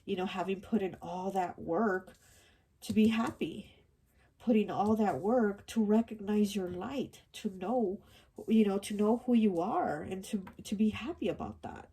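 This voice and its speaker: A woman's voice: mid-range voice, unhurried, dark tone, slightly rough. A woman giving a casual tarot card reading, rambling with many fillers and restarts, her voice stuffy and nasal from allergies. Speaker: tarot reader.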